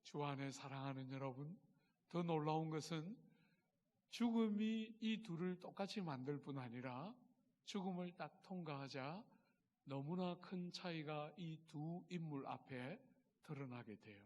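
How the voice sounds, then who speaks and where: A middle-aged man preaching a sermon as pastor, telling stories with strong feeling and swinging from soft to loud. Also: on the high side, measured pace, big-room sound, highs cut off.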